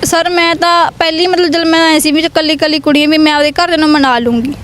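A woman's voice: high voice, fairly even intonation, fast talker, a bit bright. A young woman giving urgent, aggrieved interview testimony, repeating her points. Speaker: interviewee, complainant.

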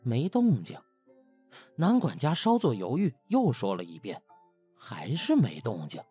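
A man's voice: mid-range voice, huge pitch swings, unhurried, mellow, slightly rough. A man narrating a comic audiobook in a colloquial, theatrical storytelling manner. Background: music.

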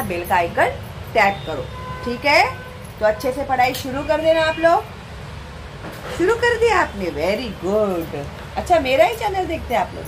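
A young adult woman, teaching a children's English lesson in a lively, coaxing way, reading riddles slowly and then explaining them. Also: a little high, background noise.

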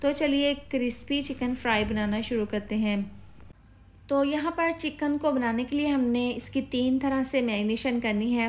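A woman with a Pakistani Urdu accent, hosting a cooking channel and giving a steady, step-by-step recipe voice-over. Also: a little high.

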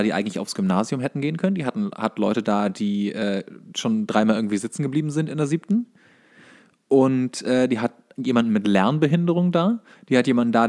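A man's voice: mid-range voice, a little mellow. A young man chatting casually as a podcast co-host, colloquial and opinionated. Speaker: podcast co-host and workshop teacher.

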